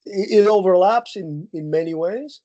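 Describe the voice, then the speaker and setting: Man, slightly high voice, soft warm tone, hesitant explanatory talk, video call. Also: moderate pace, highs cut off. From Ukraine. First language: Ukrainian. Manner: thoughtful, with many hesitant fillers and restarts. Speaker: guest speaker, geneticist. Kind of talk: answering audience questions after a talk.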